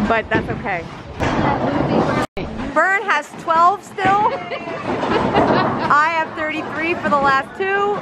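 A woman vlogging with a handheld camera, chatting playfully and narrating a bowling game as she plays. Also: high-pitched. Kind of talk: casual vlog commentary. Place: busy bowling alley, indoors. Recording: loud crowded bowling alley noise. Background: loud crowd and alley noise.

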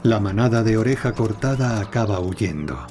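A man reads scripted nature documentary narration in a measured, dramatic storytelling way. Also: on the low side, lively intonation, mellow. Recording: studio voice-over over prominent music. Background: music, animal sounds.

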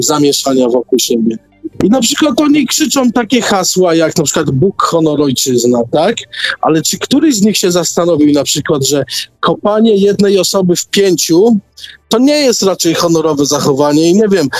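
A man's voice: on the high side, a little mellow, no room sound, low-quality recording. A man taking part in a casual radio discussion, repeating words as he searches for phrasing.

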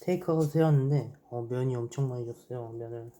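A man's voice: mid-range voice, quick pace, dark tone. A man in his thirties from South Korea chatting casually to viewers as a mukbang vlogger, murmuring in an understated way between bites, recorded at a table in a small room. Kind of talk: casual eating-show chat to viewers.

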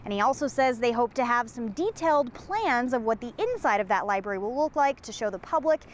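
A woman in her thirties delivering a live news report outdoors at night, in a clear, measured newscast manner. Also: a little high, expressive, a little hiss or hum. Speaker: field reporter. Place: outdoors at night outside a library.

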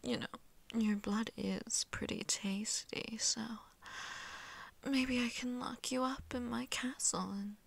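A woman voicing a seductive, haughty vampire mistress in a slow, teasing, breathy whisper for an ASMR roleplay, close to the mic. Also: a little high, steady tone, exaggerated voice. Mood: musing, possessive. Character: seductive, haughty, hungry female vampire mistress toying with prey. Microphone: close microphone.

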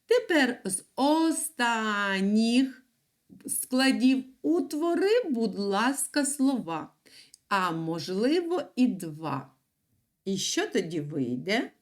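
A woman teaching young children an online reading and writing lesson, explaining patiently step by step. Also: on the high side. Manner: slow, patient, lively sing-song explaining. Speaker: primary school teacher.

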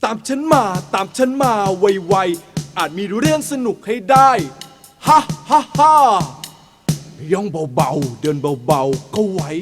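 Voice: medium pitch, big pitch swings, slow pace. A mischievous cartoon beetle. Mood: sneaky. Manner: sneaky, giggling, sings about tricks. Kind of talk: cartoon voice acting. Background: music.

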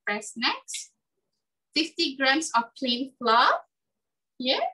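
Bright high woman demoing a kitchen machine. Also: expressive, drawn-out words, distant mic, low-quality recording. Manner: chatty, frequent "okay?" checks. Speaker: cooking demonstrator. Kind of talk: live cooking demonstration.

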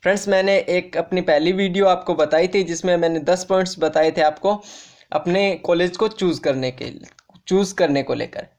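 Speaking at normal speed in a high-pitched, slightly mellow voice, a man runs a casual YouTube explainer for students. He treats viewers as friends, addressing them directly, and restates every fact several times over.

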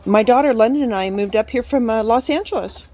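A woman's voice: on the high side, a little fast, a little mellow, lightly acted. An actress playing a friendly, talkative mother in a radio drama, polite and a little hesitant.

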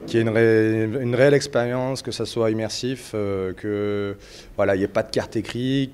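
Low-voiced chef, modest and hesitant. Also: male voice, darkish tone, a little hiss or hum. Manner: modest, hesitant with many fillers. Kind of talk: interview answers.

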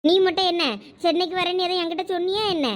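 A woman's voice: very high voice, level tone, rapid-fire. A woman playing a stubborn, tearful young college girl from a village, speaking with a Thoothukudi Tamil accent and pleading insistently. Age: young adult.

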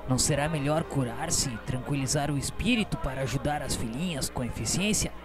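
A man playing a patient, firm spirit administrator in a radio drama, exhorting solemnly in formal, measured words. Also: mid-range voice, animated, voice pushed up, lightly acted. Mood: calm, firm. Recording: music behind the voice.

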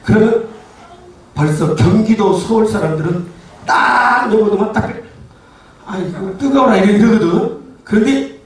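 A man performing live stage comedy, joking crudely with the audience, laughing and shouting at the crowd and the crew. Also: sits high, moderate pace, long pauses. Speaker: pumba street-comedy performer. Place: concert hall stage. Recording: very echoey hall, distant and faintly noisy.

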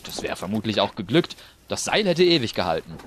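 Man as animated forensic technician, faint noise. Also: on the low side, a little fast. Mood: serious, matter-of-fact. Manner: matter-of-fact, explanatory. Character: easygoing male police forensic technician, explaining evidence. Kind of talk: crime audio drama acting.

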